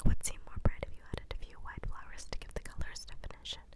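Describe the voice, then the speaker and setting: A woman whispers at a fairly quick pace. There is noticeable background noise. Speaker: ASMR content creator. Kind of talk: ASMR book reading.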